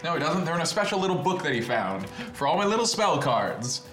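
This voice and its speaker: Male player, high animated voice, jokey and profane, roomy echo. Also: a little fast, faint music behind. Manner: joking, swears casually. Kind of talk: casual tabletop game chat. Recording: echoey room.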